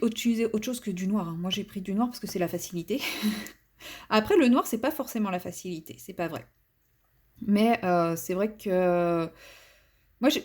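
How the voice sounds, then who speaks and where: Coloring along on her channel, a woman keeps up a loose, self-mocking commentary packed with fillers and false starts. She has a medium-pitched voice with a somewhat dark tone.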